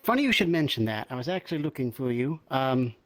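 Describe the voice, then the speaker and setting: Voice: medium pitch, big pitch swings, fast, dry recording. Hesitant, polite roleplayer in a dry space. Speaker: roleplayer in a virtual reality game. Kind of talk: improvised in-character roleplay conversation.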